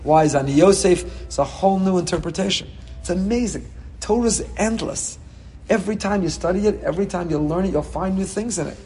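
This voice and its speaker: A man giving a Torah class as a rabbi, reading Hebrew texts and explaining them with passion, swinging between soft and loud. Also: high-pitched, a little fast, big-room sound, a little hiss or hum. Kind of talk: Torah class on the weekly portion.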